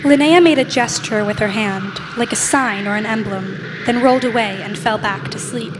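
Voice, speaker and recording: A teenage girl narrating a radio play as a deliberate storyteller, recorded live on stage. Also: on the high side, noisy background.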